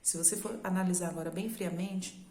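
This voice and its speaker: A woman's voice: on the low side, fairly even intonation, brisk, dark tone, reverberant, slight background noise. A woman with a Brazilian Portuguese accent, preaching a sermon in a conversational, explaining way that uses rhetorical questions. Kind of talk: sermon teaching.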